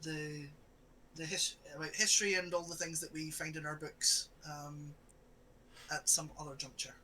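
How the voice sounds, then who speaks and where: Man, game player, higher pitch, very sharp bright tone, casual chat, searching for words. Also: flat delivery, moderate pace, a little hiss or hum, low-quality recording. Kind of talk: casual game chat, describing his character's actions.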